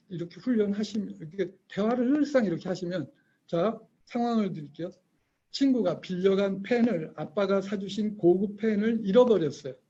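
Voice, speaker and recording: A man's voice: high-pitched, dark tone, husky, dull audio. A man teaching an online parenting lecture, telling stories, acting out quoted voices and quizzing his listeners. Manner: storytelling, acts out quoted voices, quizzes the audience.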